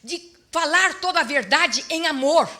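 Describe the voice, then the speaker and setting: High-pitched woman pastor preaching, middle-aged, goes quiet then loud, acts out little stories. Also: a little slow. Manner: lively storytelling, acts out quoted dialogue; swings from hushed to emphatic preaching. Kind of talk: sermon at a church seminar.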